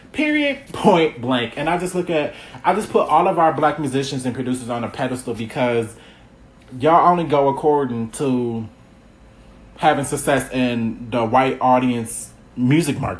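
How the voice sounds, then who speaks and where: Moderate pace and ordinary pitch variation in a normal speaking voice with an American accent. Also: man, medium pitch for a man. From Milwaukee, Wisconsin. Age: 20s. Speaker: podcast host and music blogger. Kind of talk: solo podcast monologue.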